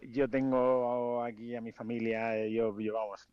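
A man's voice: mid-range voice, level tone, a little slow, clear, resonant tone, dry recording, muffled recording. A man from Spain with a Spain Spanish accent, a DJ guest talking casually and frankly in a radio interview, trailing off into fillers.

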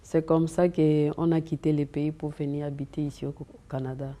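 A woman's voice: deep voice, level tone, moderate pace, warm tone. A woman from Congo, telling her story in a community TV interview and often repeating and restarting words. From Democratic Republic of the Congo. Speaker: interview guest. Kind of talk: conversational interview. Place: community TV studio.

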